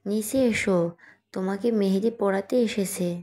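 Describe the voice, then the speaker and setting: A woman's voice: medium pitch, little pitch movement, moderate pace, darkish tone, lightly acted. A woman voicing a strict middle-aged mother who talks in a stern, commanding way, in an audio story reading.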